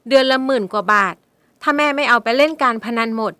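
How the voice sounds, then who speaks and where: A woman's voice: quick pace, sharp tone, clear, resonant tone, no room sound. A woman voicing a frightened young woman who pleads with her mother in a shaky voice. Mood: accusing. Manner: high-pitched, pleading, shaky.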